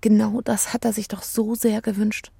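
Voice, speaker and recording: Creepy calm young woman, soft dreamy whispers, gravelly fry in her voice. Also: mid-range voice, moderate pace, no room sound, exaggerated voice. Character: calm, eerie young woman who fakes dead men's lives. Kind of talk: radio play acting and narration.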